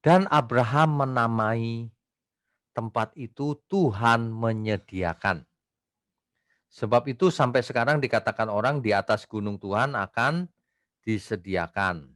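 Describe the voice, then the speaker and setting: A male pastor teaching an online Bible study, reading scripture slowly and asking rhetorical questions. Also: mid-range voice, a bit bright, no echo, studio quality. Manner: reads scripture aloud slowly.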